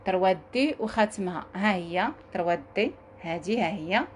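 A woman with a Moroccan accent giving a live sales pitch from her jewelry shop, coaxing viewers and repeating herself as she talks to her staff. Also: moderate pace, a little hiss or hum. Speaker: jewelry seller.

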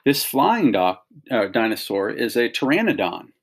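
A middle-aged man with a medium-pitched voice and noticeable vocal fry. He speaks like a teacher leading a read-along for children. His phrasing is simple and explanatory as he points things out. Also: big pitch swings, moderate pace. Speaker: teacher reading a picture book aloud to children.

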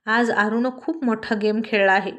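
A woman's voice: on the high side, fairly even intonation, normal speed, a bit bright, close to an everyday voice. A woman voicing a sulky, sheepish teenage son being scolded by his father. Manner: sheepish, grumbling.

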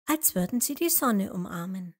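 A woman voicing a gentle, sweet little female sheep in a children's storybook, full of wonder. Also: medium pitch, sing-song, normal speed, slightly rough. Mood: admiring.

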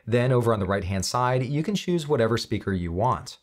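A man in his thirties with a medium-pitched voice hosts a step-by-step tutorial, speaking animatedly and fairly quickly close to the microphone. He talks directly to the viewer, explaining each action instructionally.

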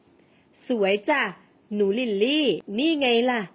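A woman voicing a fretful, wealthy older mother-in-law who talks slowly and fusses, in a storybook reading. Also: sits high, dull audio. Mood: doting. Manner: slow, fussing.

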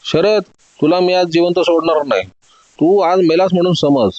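A man shouting as a raging villain boss. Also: high voice, normal speed, no echo, highs cut off, voice pushed up, close to an everyday voice. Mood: furious. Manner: shouting, menacing. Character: furious villainous male gang boss shouting threats.

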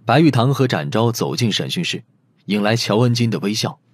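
A man's voice: fairly low pitch, animated, brisk, breathy edge. A man reading a novel aloud as a dramatic audiobook narrator.

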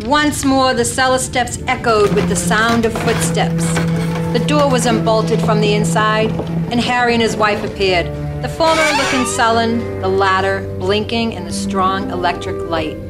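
Woman narrating over loud music. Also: fairly high pitch, moderate pace. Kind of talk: scripted radio play narration. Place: theater stage. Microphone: stand microphone.

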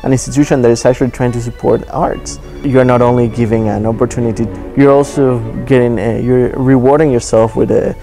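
A man's voice: mid-range voice, steady tone, brisk, few pauses, warm tone, soft background music. A man in his twenties from Argentina with an Argentine accent, a student musician talking casually in an interview. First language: Spanish. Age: 20s. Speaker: student viola player. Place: indoors in an auditorium.

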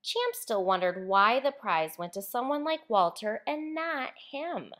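A woman author reading a children's story aloud in an expressive, clearly enunciated storytelling style. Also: a little high, measured pace. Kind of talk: expressive children's picture book read-aloud.

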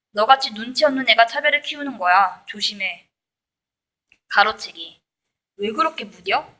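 A woman reading a nonfiction book aloud, delivering sample retorts in a brisk, pointed way. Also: fairly high pitch, pushed and bright, rough recording. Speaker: audiobook reader.

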